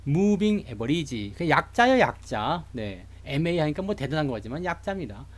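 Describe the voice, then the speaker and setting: A man's voice: on the high side, big pitch swings, moderate pace. A man from Seoul giving a chatty, joking live lecture on stock charts to online viewers. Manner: chatty, jokey, greets live chat viewers. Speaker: stock market streamer.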